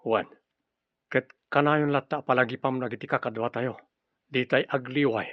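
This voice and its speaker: An actor playing a brave, vigilant young tribal warrior, the chief's son, in an Ilocano-accented radio drama. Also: male voice, medium pitch, steady tone, normal speed, dry recording, lo-fi sound, natural voice. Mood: watchful. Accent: Filipino, Ilocano.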